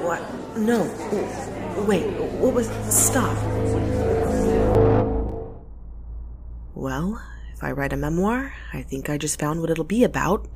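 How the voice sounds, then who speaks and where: A woman's voice: deep voice, animated, measured pace, creaky, music in the background, a crowd in the background, full character voice. A woman playing a frazzled, wry, stubborn space courier who narrates their own story conversationally in an audio drama. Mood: panicked, exasperated. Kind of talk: audio drama acting and first-person narration.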